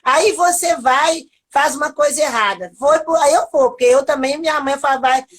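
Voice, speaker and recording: Brazilian woman host on a video call, high voice, tells stories all over the place. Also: moderate pace. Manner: animated storytelling, many restarts. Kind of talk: casual live chat.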